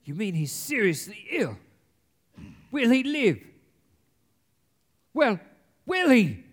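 A man playing an old miser, uneasy and pleading, with halting, anxious speech in a live stage radio play. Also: high voice, sing-song, full character voice. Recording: live stage recording in reverberant hall.

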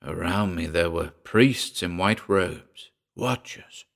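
A man's voice: low voice, slow, gravelly, a bit bright, heavily acted. A man voicing a shaken man who drifts into dreamy, guttural trance memories, muttering his words. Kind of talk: audiobook dialogue reading.

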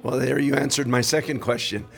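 A man's voice: mid-range voice, a little fast, vocal fry. A man hosting a Christian podcast, interviewing a local pastor and affirming him with frequent amens. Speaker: podcast host. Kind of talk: interview on a mission trip.

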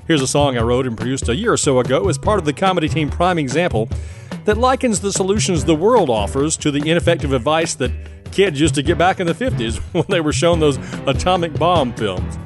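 A man's voice: fairly high pitch, lively intonation, brisk, music in the background. A man hosting a program with scripted links, in a folksy, florid manner. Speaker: radio program host. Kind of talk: scripted host links between comedy clips.

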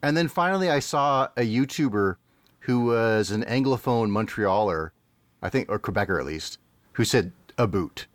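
A man's voice: fairly low pitch, animated, moderate pace, dry recording. A man with a British Columbia Canadian accent, chatting casually and thoughtfully as a podcast co-host. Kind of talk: casual chat.

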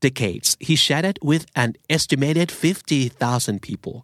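Man, podcast host, easygoing and patient, mid-pitched voice, dry close mic. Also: very slow, no room sound. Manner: relaxed, explains terms patiently, mixes in English phrases. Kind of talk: casual bilingual chat explaining English words.

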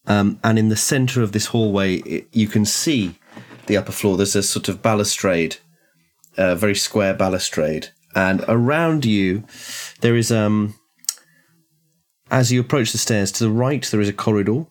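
A man acting as game master, describing a house layout with many pauses and ums. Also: on the low side. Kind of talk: describing a scene in a tabletop game.

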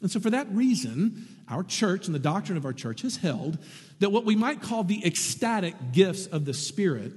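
A man preaching a sermon to his congregation, lively and animated, with wry asides. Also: high voice, husky, in a large hall. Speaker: pastor.

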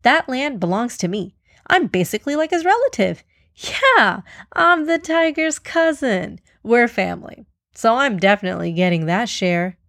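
A woman's voice: a little high, very animated, normal speed, a bit bright, dry recording, clean studio sound. A woman voicing a vain, boastful male clouded leopard with a smug, wheedling manner in a children's story. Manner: smug, self-assured wheedling.

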